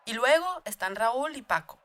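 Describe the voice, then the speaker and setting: Bright woman chatting through lesson lines. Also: fairly high pitch, big pitch swings, moderate pace. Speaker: dialogue reader in a language lesson. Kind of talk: scripted beginner dialogue.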